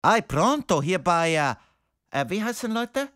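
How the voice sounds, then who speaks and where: A man's voice: high voice, very animated, unhurried, a bit bright, no room sound, heavily acted. A man playing a chummy, nosy foreign crook with a foreign accent and broken grammar in a comic phone-message sketch. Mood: sly, chummy. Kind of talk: comic answering machine sketch.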